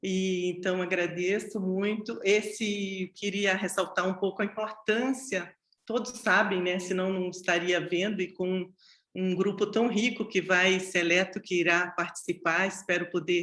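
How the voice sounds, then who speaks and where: A woman of medium pitch talks at a very slow pace, her intonation fairly even. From Brasília, Brazil. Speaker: federal attorney, panel speaker. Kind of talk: panel talk. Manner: halting, many fillers and restarts.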